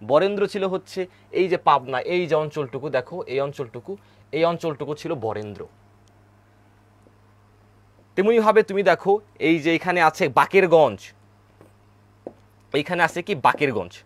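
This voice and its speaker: A man's voice: on the high side, very animated, moderate pace, fairly bright tone, no echo. A male teacher, giving an online history lesson over map slides, repeating key names and quizzing his viewers. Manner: repeats key words, quizzes viewers, has them chant names aloud.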